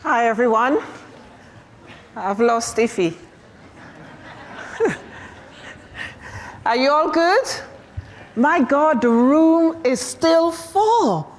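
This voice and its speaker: A woman speaker greeting a conference audience in a warm, playful way. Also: sits high, animated, extremely slow, long pauses. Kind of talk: addressing an audience.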